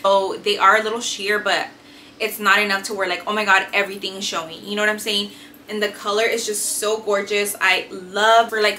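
A woman's voice: medium pitch, bright, forceful tone, slight background noise. A young woman reviewing gym clothes to camera in a small bedroom, chatty and enthusiastic with lots of filler words. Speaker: fitness and beauty vlogger. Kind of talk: casual haul review to camera. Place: small decorated bedroom, indoors.

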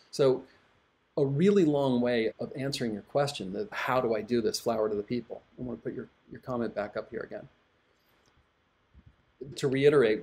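A middle-aged man, a hypnotherapist, giving calm, reflective advice to viewers. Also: mid-range voice.

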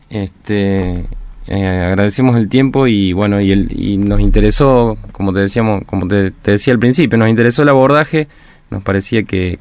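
A man hosting a radio interview in a relaxed way. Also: fairly low pitch. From Argentina. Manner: relaxed, backchannels often. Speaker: radio host.

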